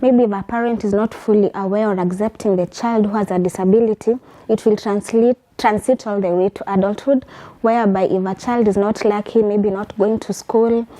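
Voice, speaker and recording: A young adult woman, a lawyer and advocate answering questions in a TV interview, explaining in a measured, earnest way. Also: medium pitch, steady tone, dark tone, low-quality recording. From Kenya.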